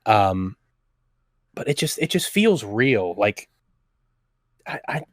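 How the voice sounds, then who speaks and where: A man's voice: on the low side, very animated, slow pace, dry recording, studio quality. A young man from West Virginia, chatting as a podcast guest in a rambling, enthusiastic way. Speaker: guest, slasher fan. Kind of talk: casual podcast chat.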